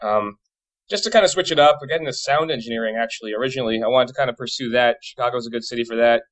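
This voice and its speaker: A man's voice: medium pitch, very fast, fairly bright tone. A man in his thirties from Boston chatting informally as an interview guest, explaining his work in a casual way. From Boston area, United States. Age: 30s. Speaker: interview guest, pub trivia company owner.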